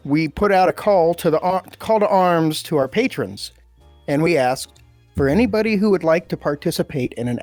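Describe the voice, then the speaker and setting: A man's voice: on the high side, darkish tone, no echo. Effusive man chatting, close dry sound. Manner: effusive, informal, full of praise. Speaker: podcast team member and story creator. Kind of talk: enthusiastic casual chat.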